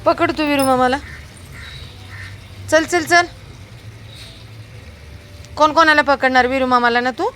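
Slowly and with long pauses, a woman with a high, bright, forceful voice chats casually on her home terrace while filming her dog and a small child, coaxing them in sing-song baby talk. There's slight background noise in this home video.

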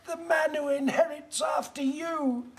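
A sullen British manservant. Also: male voice, extremely high pitch, flat delivery, a little slow, gravelly, a little hiss or hum, exaggerated voice. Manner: deferential, sullen. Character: long-suffering male servant. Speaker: servant.

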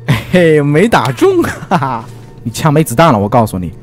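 A man commenting on his gameplay in a lively, excitable way. His pitch is a little high and moves up and down a lot. He teases the other players and exclaims often, and faint game music plays under his voice. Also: normal speed. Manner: excitable, teasing, frequent exclamations and laughs. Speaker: gaming YouTuber. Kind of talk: let's play commentary.

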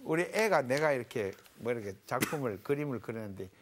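A middle-aged pastor teaches scripture to a small panel. His pitch swings widely as he works through his points. He explains old Hebrew words with homely everyday examples. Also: expressive, a little fast, crowd noise. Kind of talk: televised Bible lecture with a panel.

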